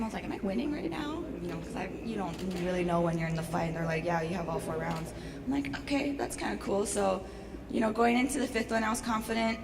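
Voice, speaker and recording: Hoarse young woman in a noisy echoing hall. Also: on the high side. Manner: casual, upbeat, laughs often. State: losing her voice. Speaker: fighter. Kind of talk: post-fight press interview. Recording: noisy long-reverb hall.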